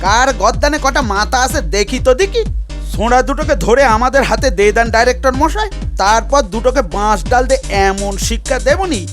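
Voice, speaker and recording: A blustering village headman voiced by a woman with a rural Bengali dialect, indignant and bossy. The cartoon voice sits high, with music clearly behind it. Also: expressive, fairly quick, lightly acted. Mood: indignant threats. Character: blustering rustic village headman, threatening and protective. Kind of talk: comic cartoon acting.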